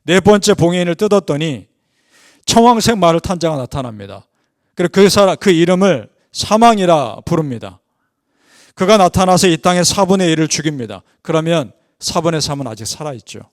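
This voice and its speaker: Male pastor, dawn prayer sermon; earnest, swells on key points, drops low at line ends; slightly higher voice, dry close mic. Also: expressive, a little fast, no room sound. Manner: earnest preaching, rising with emphasis then dropping low; leads congregation in scripture reading. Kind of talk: early-morning prayer sermon.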